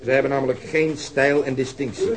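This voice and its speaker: Man voicing a sarcastic detective, mid-pitched, ironic, radio play. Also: steady tone, brisk, close to an everyday voice. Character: sardonic, pointed male police detective. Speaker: police detective. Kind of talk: radio drama acting.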